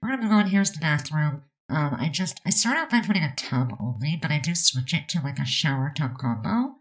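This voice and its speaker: Narrating a Sims speed build, a woman rambles casually over the video with plenty of fillers. Her voice sits low, with lively intonation and a brisk pace. Her nose is stuffed up and she sounds about to sneeze.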